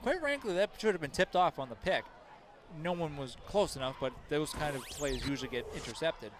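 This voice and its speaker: A man's voice: fairly high pitch, lively intonation, fairly quick, noisy background. Chatty, analytical male football commentator. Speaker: color commentator. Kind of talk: local football color commentary.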